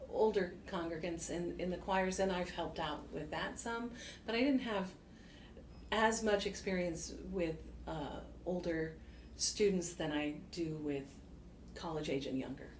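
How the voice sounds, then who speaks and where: With audible room echo, a woman speaks at a fairly slow pace, leaving long, frequent pauses. Her pitch is fairly low and varies in an ordinary way. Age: 50s. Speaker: music instructor and librarian. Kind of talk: interview.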